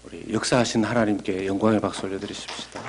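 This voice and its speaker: A man, a senior pastor, preaching a sermon that moves from hushed, whispered questions to fervent, rising exhortation. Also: fairly low pitch, level tone, quick pace, noisy background.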